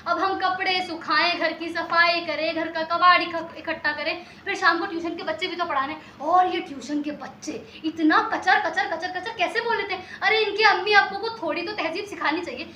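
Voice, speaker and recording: A woman's voice: very high voice, moderate pace, few pauses, pushed and bright, slight background noise. A woman playing a bossy, chatty young daughter who rambles and orders people about, on a theatre stage. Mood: bossy chatter. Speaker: bride-to-be. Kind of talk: stage comedy acting. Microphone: distant stage mic. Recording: echoey theatre from far off, music.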